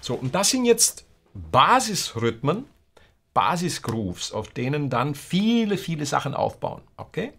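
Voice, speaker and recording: Over guitar playing, a man with a fairly high, very animated, unhurried voice and some vocal fry teaches a guitar lesson. He explains strumming rhythms, counts the beats aloud, and sings snippets of rock songs as he goes.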